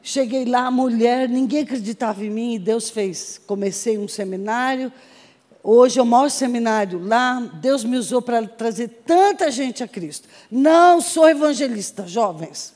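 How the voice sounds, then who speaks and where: A Brazilian woman missionary telling her testimony to a congregation in a lively storytelling manner, acting out the voices of the people in her story. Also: fairly high pitch, measured pace. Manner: animated storytelling with acted quotes. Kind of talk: testimony sermon. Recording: reverberant hall.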